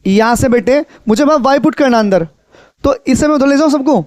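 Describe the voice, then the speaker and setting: A man with a very high voice lectures a maths class. He keeps asking his students questions and repeating the answers in a coaxing way. The sound is dry, with no room echo. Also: brisk, darkish tone. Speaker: maths teacher.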